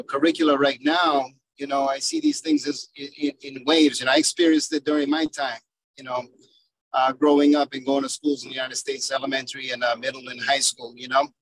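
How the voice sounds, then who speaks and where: A man from Cape Verde, an educator speaking as a guest in a panel discussion over a choppy video call from a car. He talks haltingly and leans on "you know" fillers. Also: mid-range voice, fairly bright tone, no room sound, low-quality recording. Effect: choppy video call connection, breaking up.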